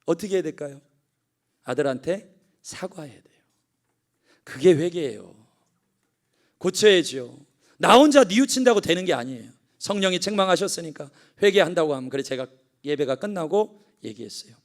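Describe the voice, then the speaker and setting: A middle-aged man preaching a sermon as pastor, telling a personal story and moving from hushed asides to fervent calls. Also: a little high, expressive, normal speed, pauses often.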